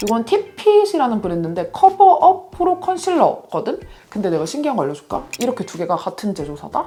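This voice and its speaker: Music plays behind a woman speaking at a high pitch. Her pitch swings very widely and her loudness rises and falls a lot. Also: fairly quick pace. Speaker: beauty YouTuber. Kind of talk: casual talk to camera. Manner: casual, chatty.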